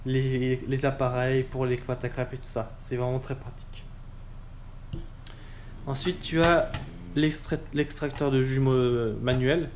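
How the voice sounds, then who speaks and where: A man casually demonstrating kitchen tools as a cooking instructor, chatty and informal, often pausing with fillers. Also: mid-range voice, slight background noise.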